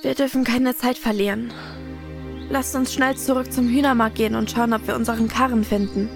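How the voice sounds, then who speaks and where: A woman's voice: on the high side, fairly even intonation, brisk, creaky, over music. A woman playing a caring, practical older sister, a medieval peasant girl, in a radio drama. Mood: urging.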